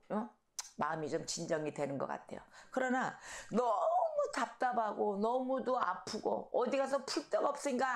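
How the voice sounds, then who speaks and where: A middle-aged woman pastor preaching a sermon, telling stories and acting out shouted quotes. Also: fairly high pitch, gravelly. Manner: storytelling, animated, acts out shouted quotes. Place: church sanctuary. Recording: echoey church hall.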